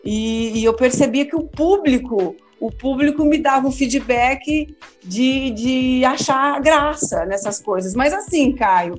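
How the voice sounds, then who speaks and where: A woman from Amazonas, Brazil, a teacher and former radio host, answers interview questions casually and hesitantly, often repeating words. Her voice sits high and she speaks slowly with hardly any pauses, over soft background music.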